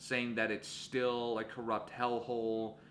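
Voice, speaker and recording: With a bright, sharp tone, a man talks at a moderate pace. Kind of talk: unscripted opinion talk to camera. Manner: stuttering, hesitant.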